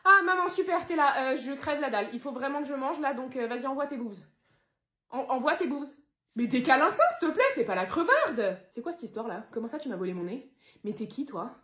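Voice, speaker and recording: A woman's voice: high-pitched, lively intonation, fairly quick, bright, forceful tone, reverberant. A woman voicing a crude, bossy baby who demands food and whines. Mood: greedy, then indignant. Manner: bossy, foul-mouthed, whining.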